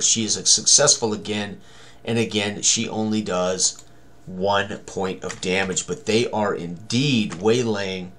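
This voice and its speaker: Slight background noise accompanies an older man whose voice sits on the low side and sounds a bit bright. Seated at a computer in a small indoor room, he presents a tabletop game tutorial, thinking aloud in short running commentary about rolls and tallies.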